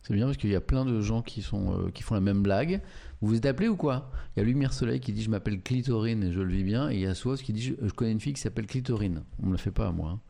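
Gravelly, dark-voiced streamer. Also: male voice, fairly low pitch, fast. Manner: chatty, amused, reacts to viewer comments. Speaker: streamer reading chat. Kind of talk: casual live-stream chat.

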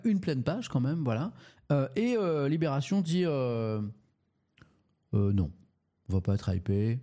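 A man hosting a casual live-stream review of the morning papers. He speaks haltingly, often restarts and repeats words, and asks his audience questions. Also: medium pitch, creaky, mellow.

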